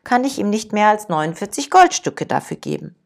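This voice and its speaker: A woman's voice: medium pitch, very animated, fairly quick, creaky. A woman reading the businesslike lines of a male jewelry dealer.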